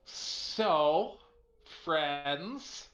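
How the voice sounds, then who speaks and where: A man playing in an online tabletop game, talking quickly and casually about rules and plans. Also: on the high side, animated, a bit bright, dull audio. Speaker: player. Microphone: computer mic on a voice call. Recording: echoey room, faint keyboard noise.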